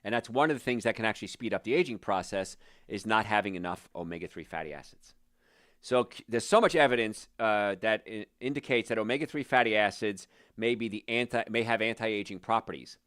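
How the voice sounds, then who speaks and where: A man's voice: lowish voice, fairly quick, fairly bright tone, no room sound, studio quality. A middle-aged man hosting a health talk, speaking plainly and emphatically straight to the viewer. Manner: plain-spoken, emphatic, addresses the viewer directly. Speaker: health show host. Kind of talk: direct-to-camera health talk.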